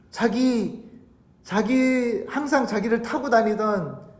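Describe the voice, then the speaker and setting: A woman preaching with lively, swooping pitch and an unhurried pace overall, telling a story and then retelling it in another language. Her voice carries through a reverberant church sanctuary. She sounds like a pastor animating a scripture story for her congregation. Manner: animated storyteller, repeats herself in two languages. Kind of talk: sermon.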